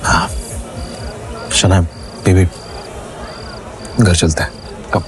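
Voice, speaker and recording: A man's voice: low-pitched, fairly even intonation, slow pace, voice pushed down. A man playing a humble, patient young husband, mild and soothing. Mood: pleading. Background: background music.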